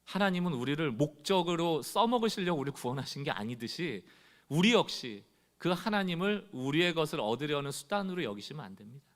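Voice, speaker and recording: A man preaching a Sunday sermon as pastor, speaking straight to his congregation and acting out quoted complaints in a loud, rising voice. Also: a little high, sing-song, fairly quick.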